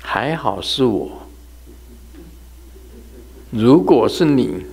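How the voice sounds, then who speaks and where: A male religious teacher tells humorous ghost anecdotes as a sermon, chatting and storytelling while laughing and imitating sounds. His medium-pitched voice is animated and darkish with a breathy edge, and he draws out his words.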